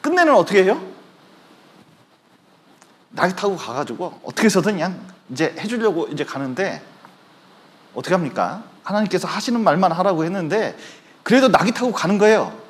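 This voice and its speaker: Animated high-voiced male pastor preaching. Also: a little fast, pauses often. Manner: animated storytelling, acting out quoted voices. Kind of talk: sermon. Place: church sanctuary.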